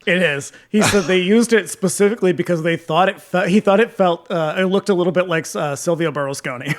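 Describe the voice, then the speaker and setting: A man's voice: high-pitched, a little fast. A man co-hosting a podcast, chatting casually about a film, quoting his notes and interviews, swearing and laughing often. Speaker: podcast co-host.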